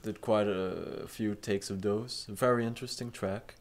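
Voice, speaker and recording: A young man with a slightly low voice hosts an unscripted chat. He rambles loosely, stacks up fillers and restarts, and swears in passing. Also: steady tone, normal speed. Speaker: host. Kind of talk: improvised casual commentary.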